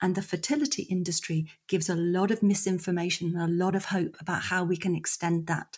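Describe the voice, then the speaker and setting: With an English accent, a woman with a fairly low, somewhat breathy voice talks at a fairly quick pace, using ordinary pitch variation, very even loudness and hardly any pauses. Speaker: author and support group founder. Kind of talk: interview.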